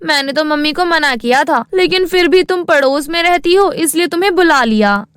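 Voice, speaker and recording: A woman's voice: sits high, expressive, normal speed, fairly bright tone, no echo. A woman voicing a mean, snobbish rich schoolgirl in a cartoon story, haughty and taunting.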